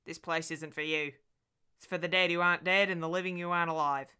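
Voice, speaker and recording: A woman's voice: lowish voice, fairly even intonation, quick pace, bright, forceful tone, clear, resonant tone. A woman doing a crazed old woman, brooding. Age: older. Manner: clipped, brooding, rising to agitation.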